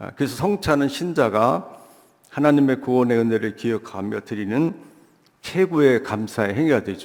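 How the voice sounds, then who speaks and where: This is an unremarkable speaking voice from a man at medium pitch. He talks at a moderate pace with lively intonation. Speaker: guest pastor. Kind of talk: sermon. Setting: church.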